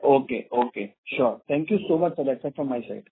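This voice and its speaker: A man's voice: mid-range voice, brisk, breathy edge. A man with an Indian accent politely asking wordy, deferential questions as an analyst on an earnings call. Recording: narrow, phone-like call audio.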